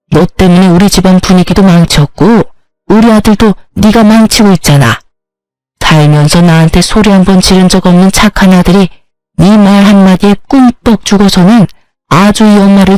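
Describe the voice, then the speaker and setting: A bitter older mother-in-law, as a woman reads her, in an audio story, berating and accusing without letup. The voice sits at a middling pitch, close and dry, with faint music beneath. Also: a little mellow, no echo, close to an everyday voice.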